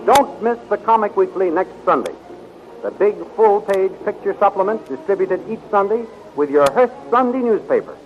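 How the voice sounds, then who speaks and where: An actor announcing an adventure serial in an emphatic, declamatory 1930s radio style. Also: male voice, sits high, lively intonation, normal speed. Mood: dramatic, promotional. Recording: muffled, noisy 1930s radio recording.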